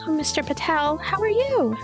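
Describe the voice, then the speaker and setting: A woman voicing an energetic, cheerful young girl in a visual novel, eager and playful. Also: extremely high pitch, normal speed, music in the background, pitched above the performer's own voice, full character voice. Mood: bright, friendly.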